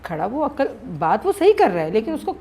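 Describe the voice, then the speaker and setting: Animated woman explaining her drama writing. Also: a little high, brisk. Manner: animated storytelling, acting out characters' lines. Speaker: drama writer. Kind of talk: interview answers.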